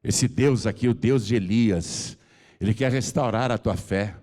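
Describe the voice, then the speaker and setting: A Brazilian man preaching as a pastor, moving between soft pleading and loud, fervent calls to come forward. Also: fairly low pitch, a little slow. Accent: Brazilian Portuguese. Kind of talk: preaching a sermon with an altar call. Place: large church hall. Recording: reverberant church hall.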